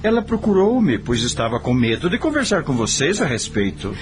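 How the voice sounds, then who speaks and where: A male actor plays a serene, preachy businessman in a radio soap. His mid-range voice rises and falls dramatically, with music behind his measured persuasion. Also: medium pitch, very animated. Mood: reassuring, earnest. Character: serene, devout businessman, joyful expectant grandfather, gently persuasive. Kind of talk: radio soap opera acting.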